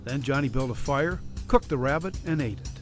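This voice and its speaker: A man's voice: medium pitch, a little fast. A man narrating scripted horror stories in a dramatic style, as a story reader. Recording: music bed behind the reading.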